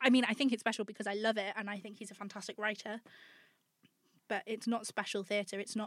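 In a North Welsh accent, a voice rushes at a very fast pace in a flat monotone with a dry, close sound and no echo. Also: woman, fairly high pitch for a woman. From North Wales. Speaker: theatre maker and actor. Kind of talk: casual interview.

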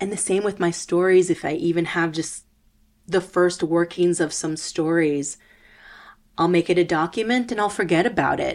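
With an American accent and a normal speaking voice, a woman talks at a moderate pace in a fairly low register. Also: fairly even intonation. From Milwaukee, Wisconsin, US Midwest. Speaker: performance artist and writer. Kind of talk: casual interview.

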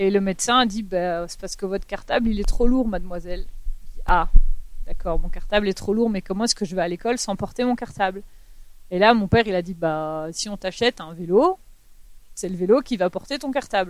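A woman speaks at medium pitch and a fairly quick pace with ordinary pitch variation. Her loudness swings widely. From Belgium, Brussels. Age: 30s. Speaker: cargo bike courier and bikepacking cyclist. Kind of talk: casual interview chat. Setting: remote call. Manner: animated, informal.

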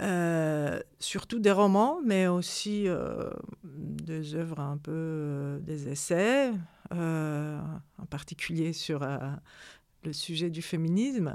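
Pitched fairly low, a woman talks very slowly with ordinary pitch variation. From Greece, Thessaloniki. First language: Greek (speaking French). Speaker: research physicist. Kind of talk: interview. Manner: halting.

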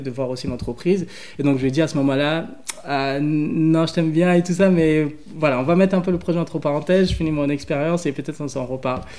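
The words come out at a very fast pace. This man's pitch is fairly high. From grew up in Limoges, France, after arriving from an English-speaking country at 9-10. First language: English (speaking French). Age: 30s. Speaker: business development manager. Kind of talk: interview. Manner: energetic; hesitant with fillers.

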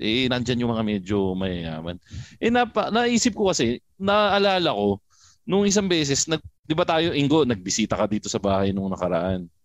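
A man's medium-pitched voice with very wide pitch swings, in a dry, close sound with no echo. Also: moderate pace. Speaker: comedy podcast host. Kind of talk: casual chat.

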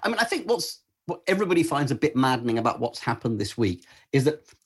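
Speaking very fast with a British accent, a man uses a fairly high pitch and very wide pitch swings. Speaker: newspaper journalist. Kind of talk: interview.

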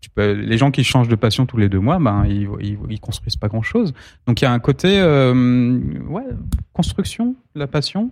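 A man with an unremarkable speaking voice talks at a medium pitch and a fairly slow pace, using lively intonation and big swings in loudness. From Alsace, France. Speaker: illustrator. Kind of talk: live podcast interview. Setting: stage with audience.

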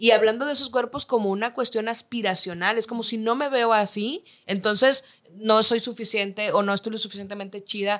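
Fairly high in pitch, a woman speaks with a normal speaking voice. Her pace is fairly quick and her intonation fairly even. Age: 40s. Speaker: podcast moderator. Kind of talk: casual chat.

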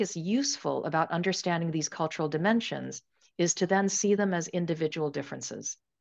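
An unremarkable speaking voice: a woman with an American accent, fairly low pitch, ordinary pitch variation and a fairly quick pace. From US Northeast, Connecticut. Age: 50s. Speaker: author and leadership educator. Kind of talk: casual interview.

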